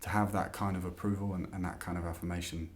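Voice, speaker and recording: A man's voice: low voice, little pitch movement, fast talker, crowd noise. A young male actor speaking in a heartfelt way about his role, often searching for the right words. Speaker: lead actor.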